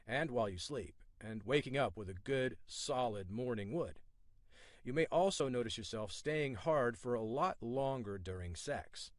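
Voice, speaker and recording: A man reading a scripted sales pitch in a smooth, reassuring salesman manner, from the United States. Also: no echo, studio quality. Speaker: ad presenter.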